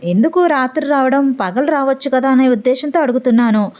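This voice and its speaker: A woman voicing a mild, placating middle-aged man who speaks gently. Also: high-pitched, a little fast, lo-fi sound, lightly acted. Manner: soothing, gentle.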